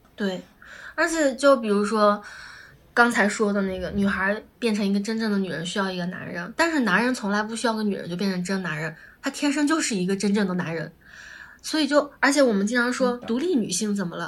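A woman talks at a fairly quick pace in a plain, everyday voice. Her pitch is medium and her intonation lively. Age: 30s. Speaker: podcast co-host and mother. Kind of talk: casual chat.

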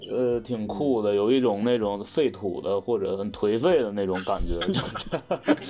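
With a Northeastern Chinese accent, a man speaks at a medium pitch and a fairly slow pace, with hardly any pauses and ordinary pitch variation. There is noticeable background noise. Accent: Northeastern Mandarin. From Northeast China. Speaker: painter, former convenience store clerk. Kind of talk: casual chat. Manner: stammering repetitions.

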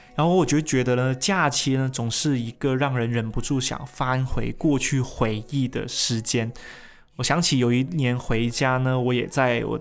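A normal speaking voice at a fairly slow pace, with fairly even intonation. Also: man, medium pitch for a man. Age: 30s. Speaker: music podcast host. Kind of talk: solo podcast monologue.

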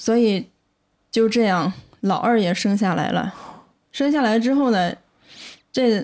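A woman with a fairly high pitch speaks at a fairly slow pace, leaving long, frequent pauses. Her loudness is very even, her pitch varies in an ordinary way, and the recording is very clean with a silent background. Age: 30s. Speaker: novelist and screenwriter. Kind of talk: casual podcast conversation.

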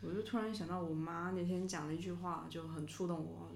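A woman's fairly low voice at a very fast pace, with audible room echo and noticeable background noise. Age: 20s. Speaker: podcast co-host. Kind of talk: casual chat.

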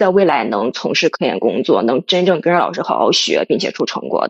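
Recorded with a dry, close sound and no echo, a woman talks with vocal fry. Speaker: undergraduate student caller. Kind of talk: call-in question.

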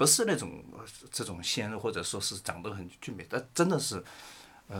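A man talks at a moderate pace with vocal fry. His pitch swings very widely. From Sichuan, China. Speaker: podcast guest, plant enthusiast. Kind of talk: casual chat.

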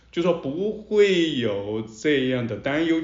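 In a strong Sichuan accent, a man's pitch swings very widely. Audible room echo surrounds his voice. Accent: thick Sichuan accent in Mandarin. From Sichuan, Chengdu. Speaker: history professor. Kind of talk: interview.

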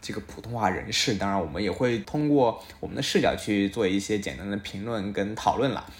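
Noticeable background noise is present. A man speaks at a fairly quick pace. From Sichuan, China. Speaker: podcast host. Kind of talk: casual chat; scripted intro.

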